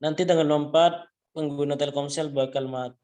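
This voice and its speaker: A man's voice: a little high, steady tone, a little fast, darkish tone. A man teaching Arabic in an online class, talking casually to his students and repeating phrases often. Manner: casual, repetitive, addresses students as antum. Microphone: video call.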